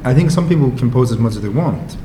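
Man, middle-aged, native Icelandic speaker, wry, self-deprecating, casual interview guest, roomy sound, clear background noise. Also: medium pitch, fast talker. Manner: relaxed, wry, self-deprecating, laughs often.

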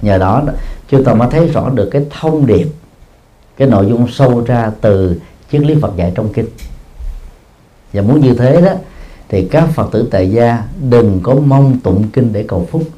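Mellow-voiced monk giving a dharma talk. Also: male voice, medium pitch, expressive. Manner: explanatory, peppers phrases with a drawn-out filler, chuckles at himself. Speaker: Buddhist monk teacher. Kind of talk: dharma talk answering questions. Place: Buddhist practice hall in Japan.

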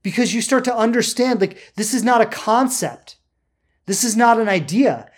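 A spiritual self-help coach speaks off the cuff in a medium-pitched voice. The delivery is emphatic and deliberate, with key words stretched out and little rhetorical check-ins along the way. It is a motivational talk. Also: animated.

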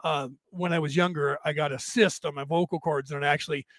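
A man with a raspy, tired, worn-out voice, talking casually and haltingly as he hosts a rambling livestream and answers listeners. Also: on the high side, steady tone, a bit bright, no echo, studio quality. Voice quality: raspy, damaged-sounding voice from long-standing vocal cord trouble. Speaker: host of a spiritual talk livestream.

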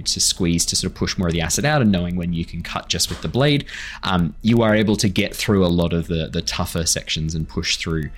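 A man with a low voice runs a tabletop role-playing game as game master. He explains and narrates in a halting, explanatory way, with faint music underneath. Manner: halting, explanatory, repeats himself.

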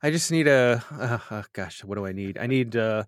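A man hosting a podcast, chatting with self-deprecating humor and getting animated when he tells stories, with a slightly nasal voice. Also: medium pitch, moderate pace, dry recording. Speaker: podcast host. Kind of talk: conversational interview answers.

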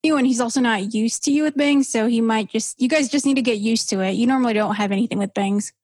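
A woman's voice: fairly high pitch, fast, darkish tone, no room sound. Chatty young woman podcast host. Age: young adult. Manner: chatty, slangy, upbeat. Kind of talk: casual chat.

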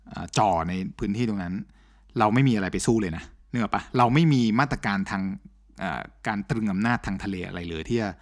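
A man in casual podcast chat, blunt and animated, swearing freely as he rants. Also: on the low side, a little fast. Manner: blunt, animated, crude slang. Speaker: podcast co-host.

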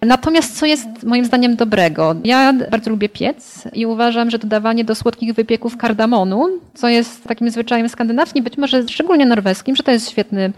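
A woman, a literary translator, giving her views in a relaxed podcast discussion. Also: a little high, a little fast, hardly any pauses.

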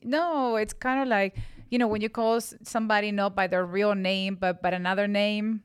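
A middle-aged woman with an Argentine accent, a native Spanish speaker, chats as a playful, teasing guest. Her voice is smooth and clear. It is recorded dry, with no room echo. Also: mid-range voice, steady tone, moderate pace. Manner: playful, teasing, laughs easily. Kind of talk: casual interview chat.

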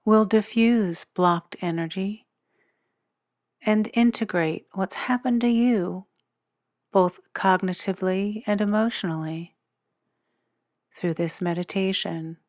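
A meditation guide and podcast host leads a guided meditation at a very slow pace. She speaks gently and in measured short phrases separated by long pauses. Her mid-pitched voice is recorded close and dry, without any room sound.

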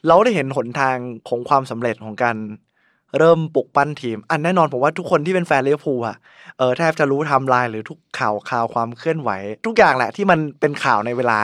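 A young man chatting casually as a podcast co-host, an animated storyteller who laughs often. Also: mid-range voice, fast talker, no echo, clean studio sound. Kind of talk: casual chat about a football documentary.

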